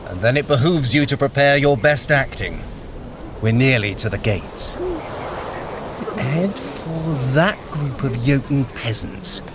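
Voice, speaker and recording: An actor playing a sly, haughty trickster god in an audio drama, sardonic, clipped and impatient. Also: male voice, mid-range voice, expressive, takes it slowly, background noise. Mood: persuasive, dry.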